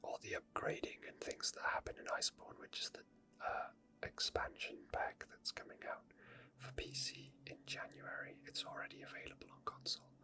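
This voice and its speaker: Whispered and unplanned, this ASMR gameplay narration comes from a gaming ASMR video creator whose soft, breathy voice drifts along unhurriedly, thinking aloud.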